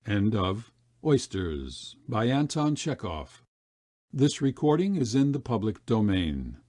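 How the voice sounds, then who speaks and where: A man reading a literary story aloud as an expressive audiobook narrator. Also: on the low side, slow, dry recording, clean studio sound. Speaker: audiobook reader.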